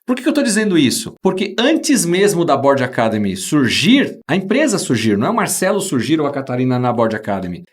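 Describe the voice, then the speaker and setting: A man's voice: on the high side, wildly swooping pitch, fairly quick, few pauses, husky. A man hosting a podcast interview, talking with enthusiasm and emphasis. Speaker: host.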